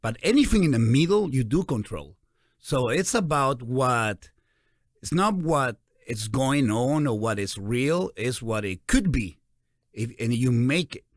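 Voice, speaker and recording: A man's voice: mid-range voice, measured pace, no room sound, clean studio sound. Peruvian-accented man hosting an interview. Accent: Peruvian Spanish. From Peru. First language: Spanish. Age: 40s. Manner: animated, encouraging, philosophizing. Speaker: interview host. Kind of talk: casual interview.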